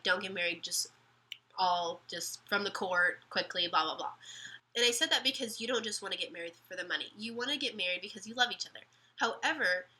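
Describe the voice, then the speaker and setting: A young woman vlogging casual advice, sick and slightly raspy, chatty with lots of ums and restarts. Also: mid-range voice, sharp tone, rough recording.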